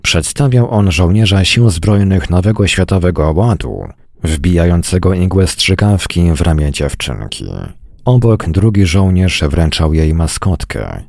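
A male audiobook narrator with a deep, gravelly voice tells the story in a measured way. His intonation is lively and expressive, and the recording is dry and close. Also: no echo. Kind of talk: scripted narration.

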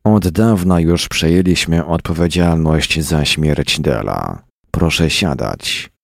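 A man voicing a weary, calm man who speaks in a tired, measured way. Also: extremely low pitch, creaky, no echo, clean studio sound, heavily acted. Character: weary calm older man, scientist type.

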